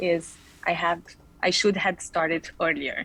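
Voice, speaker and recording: A woman with a Brazilian accent speaks at a fairly slow pace, her fairly low voice keeping a fairly even intonation. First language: Portuguese. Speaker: recruiter. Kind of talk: interview. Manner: casual, many fillers.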